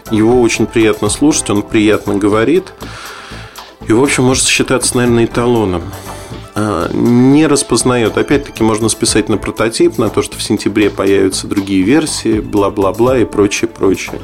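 Casting: male gadget reviewer, matter-of-fact and doubtful, fry-laden voice, quiet music bed. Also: medium pitch. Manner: matter-of-fact, skeptical, explanatory. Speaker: tech reviewer. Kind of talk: informal spoken product review, loosely scripted.

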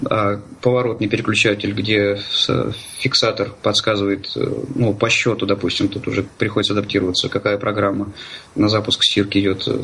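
A man giving conversational interview answers in a halting, hesitant way, often searching for words. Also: on the low side, fairly bright tone, a little hiss or hum. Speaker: interview guest, blind user of assistive technology.

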